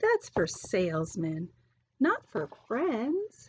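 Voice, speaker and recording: Here a woman uses a put-on character voice with a fairly high pitch. She talks at a very slow pace. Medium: read story.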